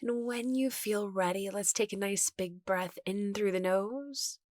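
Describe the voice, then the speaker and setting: A woman meditation teacher giving guided meditation instruction in a gentle, reassuring, unhurried manner. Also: medium pitch, no echo, studio quality.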